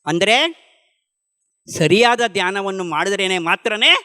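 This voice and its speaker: Recorded in a large hall, this middle-aged man delivers a forceful, expressive spiritual talk in a high, bright voice, speaking a little slowly. As a meditation practitioner giving testimony, he asks the gathering questions and supplies the answers himself.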